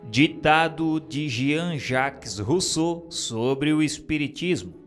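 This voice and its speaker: A man giving a measured, solemn reading of a spiritist book. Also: on the high side, faint music behind. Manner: measured, solemn, deliberate phrasing.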